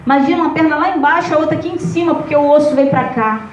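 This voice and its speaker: High-voiced woman pastor, roomy sound. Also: rapid-fire, slight background noise. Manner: emotional storytelling, addresses listeners by name. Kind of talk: testimony sermon. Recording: roomy, distant, dull sound.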